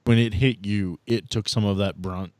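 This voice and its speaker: A man's voice: lowish voice, fairly even intonation, normal speed, darkish tone, no echo. A man acting as game master of a tabletop game, casually narrating the action and giving rulings.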